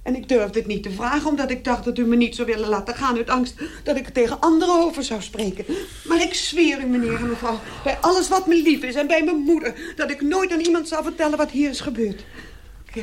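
A woman's voice: high voice, animated, brisk. An actress playing a timid, servile housemaid in a radio drama, stammering and breathless as she addresses her employers. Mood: relieved, flustered.

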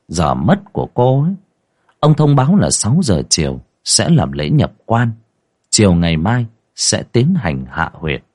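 Husky male ghost-story narrator. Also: lowish voice. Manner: expressive, dramatic storytelling.

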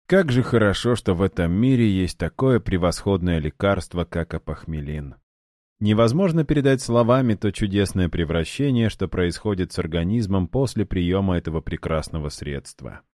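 A man narrating an audiobook in the first person, with a measured, wry storytelling manner. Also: sits low, darkish tone, dry recording, studio quality.

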